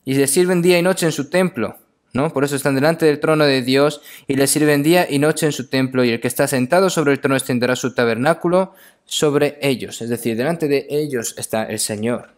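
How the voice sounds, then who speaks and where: In a sermon built around scripture readings, a man talks at a medium pitch. His speech is hesitant and repetitive, regularly punctuated by brief questioning tags.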